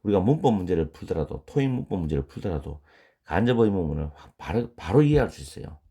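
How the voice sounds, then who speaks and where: A man teaching English grammar in an online lesson, speaking English words with a Korean accent and patiently repeating them slowly for practice. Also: deep voice, sing-song, warm tone, husky.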